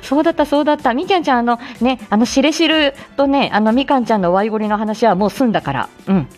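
A woman's voice: a little high, animated, fast talker, soft background music. A woman hosting a live stream in a casual, chatty way, often laughing between phrases. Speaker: livestream host.

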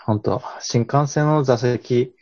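Mellow-voiced man chatting and laughing. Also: medium pitch, takes it slowly, no echo. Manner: easygoing, laughs often, casual speech. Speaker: podcast guest. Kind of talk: casual podcast chat. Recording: dull lo-fi podcast audio.

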